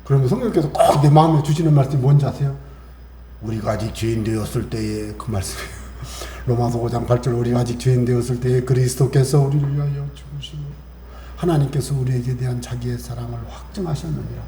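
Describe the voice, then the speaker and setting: A pastor with a mellow, medium-pitched voice and quick pace preaches a Sunday sermon conversationally, quoting scripture and acting out little exchanges. The recording comes from an echoey church room with faint hiss.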